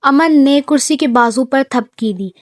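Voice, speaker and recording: A woman reading a romantic comedy novel aloud as an audiobook narrator, in a steady storytelling manner. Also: high voice, no room sound, studio quality. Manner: steady storytelling read, voicing every character herself.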